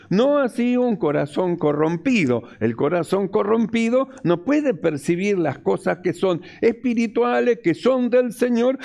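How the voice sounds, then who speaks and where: A man's voice: high voice, warm tone. A male pastor, preaching a sermon emphatically and repeating his key phrases.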